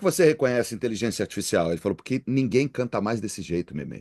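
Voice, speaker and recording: A man races along at a very fast pace with vocal fry and very wide pitch swings. The sound is dry and close with no echo. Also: quiet background. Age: 60s. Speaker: DJ and music producer. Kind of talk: casual chat.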